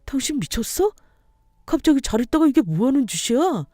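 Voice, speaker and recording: A woman's voice: sits high, very animated, a little fast, dark tone, dry recording, studio quality, voice pushed up. A woman doing an indignant young husband. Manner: angry demanding outbursts.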